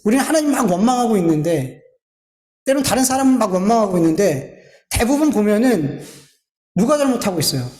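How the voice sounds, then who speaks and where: A man's voice: high voice, very animated, brisk, a little mellow. A man preaching a sermon as a pastor, earnest and pleading, often turning to address his congregation directly. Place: church sanctuary. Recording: echoey church hall.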